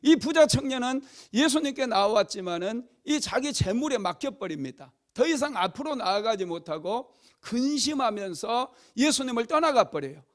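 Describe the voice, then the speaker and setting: Male pastor, high voice, dramatic sermon storytelling, acted outbursts. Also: expressive, normal speed. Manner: dramatic storytelling, loud acted cries for emphasis.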